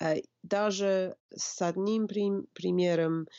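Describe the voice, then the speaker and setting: A woman speaks in an English accent with ordinary pitch variation. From England. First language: English (speaking Russian). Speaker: writer and stand-up comedian. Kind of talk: interview. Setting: remote call. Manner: halting, with hesitations.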